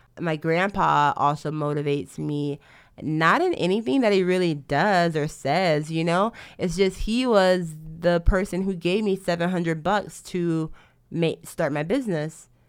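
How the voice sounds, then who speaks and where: In a very clean recording with a silent background, a woman with a fairly low pitch speaks at a fairly slow pace with ordinary pitch variation in an unremarkable speaking voice. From US South, Georgia (Atlanta). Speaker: entrepreneur. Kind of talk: casual chat.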